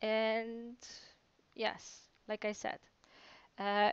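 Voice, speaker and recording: A woman with a non-native accent speaks at a very slow pace. Her pitch is fairly high. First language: Polish. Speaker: language tutor. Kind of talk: webinar. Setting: live online webinar. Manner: hesitant, many fillers.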